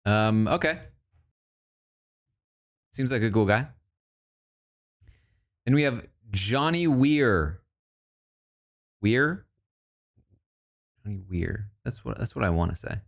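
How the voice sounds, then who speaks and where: A man's voice: fairly low pitch, expressive, takes it slowly, vocal fry, long pauses. A man casually commenting and thinking aloud as he reacts to news about a reality show cast. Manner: musing, thinks aloud, asides.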